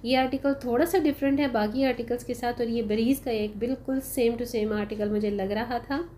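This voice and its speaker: A woman talks viewers through clothes on sale in a casual vlog voice-over, unhurried and sprinkled with fillers. Her voice sits a little high but sounds mellow and warm. Faint noise hums under the recording. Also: fairly even intonation. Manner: chatty, unhurried, frequent "uh" fillers, addresses viewers as "janab" and "bhai". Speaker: shopping vlogger.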